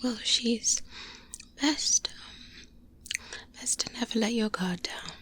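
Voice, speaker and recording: A woman playing a confident, wary vampire hunter mentor in a soft-spoken, breathy ASMR roleplay, close to the microphone with hesitant pauses. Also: on the high side. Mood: calm, briefing. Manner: slow, hesitant pauses, intimate. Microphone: close-up binaural microphone.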